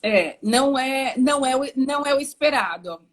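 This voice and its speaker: A woman's voice: sits high, animated, moderate pace. A woman speech therapist with a Brazilian Portuguese accent, explaining patiently on a video call and modeling words in a singsong voice. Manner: patient, demonstrates words in a singsong child-directed voice. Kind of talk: explanatory talk in a live stream.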